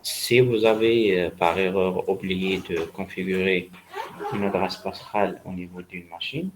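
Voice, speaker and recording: A man lecturing on a technical subject in a halting, didactic way, repeating key points for emphasis. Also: low voice, fairly even intonation, a little hiss or hum, rough recording. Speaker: networking lecturer. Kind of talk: spoken university lecture.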